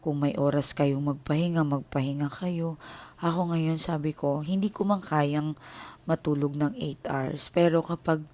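A woman hosting her own channel, telling viewers a personal story in a casual, emotional way, at times hushed and at times animated, and calling them her loved ones. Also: low voice, normal speed. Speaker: tarot channel host.

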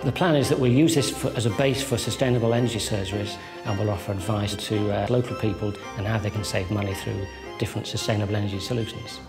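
A man's voice: on the low side, steady tone, fast talker, hardly any pauses. A man explaining a village hall insulation project to camera. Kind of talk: documentary explanation. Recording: roomy reverb with music.

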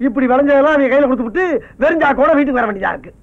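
Comic lead: a shrill, fast-talking, melodramatic village husband. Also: male voice. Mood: grumbling. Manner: loud, melodramatic wailing and ranting. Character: comic grumbling village husband, fake-grieving son-in-law. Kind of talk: 1990s film comedy acting. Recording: dull lo-fi film soundtrack.

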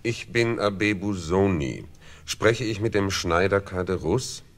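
An actor playing a mysterious count, also disguised as a priest, who speaks in a measured, polite and controlled way in a radio play. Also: male voice, low voice. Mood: solemn, probing.

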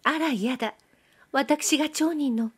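Brief: coy young girl with a soft nasal lilt, pitched high, as a woman reader puts her on. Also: measured pace. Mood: coy, pleading. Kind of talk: audiobook reading.

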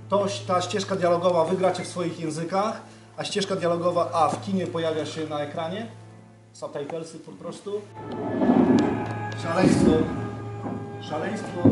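A man working as a drama director, giving informal instructions at a rehearsal. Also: a little high. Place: large radio studio hall. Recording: echoey hall with music behind.

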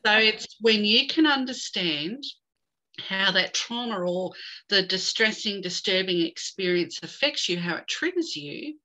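Bright-voiced middle-aged woman guest. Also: medium pitch, a little slow, rough recording. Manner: animated storyteller, tells jokes. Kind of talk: video call interview. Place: home room with bookshelves. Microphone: video call.

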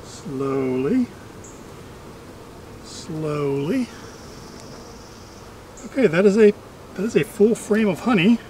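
A middle-aged man with a notably high voice talks casually through his work as a beekeeping host. He is chatty and dryly humorous. The recording is outdoors, with faint insect noise behind him. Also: animated, takes it slowly, pauses often, warm tone, poor audio. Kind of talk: casual running commentary while working. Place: outdoors among trees at beehives.

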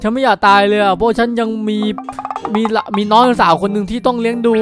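A performer voicing a brash, excitable poor young male worker, whiny and pleading, in a Minecraft roleplay cartoon. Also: mid-range voice, quick pace, over music, lightly acted. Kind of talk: improvised Minecraft roleplay dub.

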